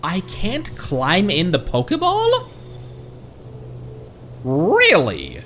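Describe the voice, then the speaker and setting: A man streaming a video game with expressive delivery, commenting casually and reading game text aloud. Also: drawn-out words, soft background music. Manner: expressive, jumps into high-pitched exclamations.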